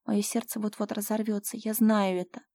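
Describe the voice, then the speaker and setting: A woman's voice: mid-range voice, little pitch movement, moderate pace, warm tone, dry recording, lightly acted. A woman voicing a young mother, indignant at first, then weak and whispering tenderly.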